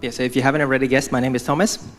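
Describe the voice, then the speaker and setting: A man's voice: mid-range voice, level tone, very fast, soft background music. A young man from Hong Kong giving a prepared church testimony, speaking earnestly as if from notes.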